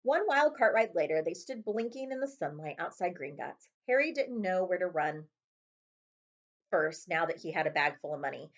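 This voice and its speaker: Woman reading a storybook aloud, slightly muffled. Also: on the low side. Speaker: librarian reading a chapter book aloud. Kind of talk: storybook narration, read aloud.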